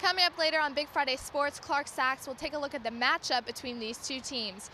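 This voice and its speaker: A young woman delivering a scripted field report for a student newscast in a crisp reporter's manner. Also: high voice, a little fast, sharp tone, slight background noise. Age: young adult. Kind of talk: news report.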